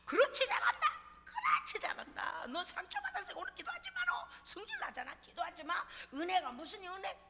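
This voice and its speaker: Devil tempter, high, sly and wheedling, put on by a woman preacher mid-sermon, long hall reverb. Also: very animated, a little fast, pushed and bright, heavily acted. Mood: coaxing. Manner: wheedling, mock-sympathetic hissing urges.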